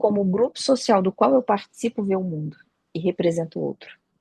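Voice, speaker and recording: A woman with a dark, mellow, somewhat breathy tone and medium pitch speaks at a moderate pace with ordinary pitch variation, in a dry, close sound with no echo. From Brazil, Ceará countryside. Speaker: geography professor, author. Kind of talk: interview conversation. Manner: articulate, academic.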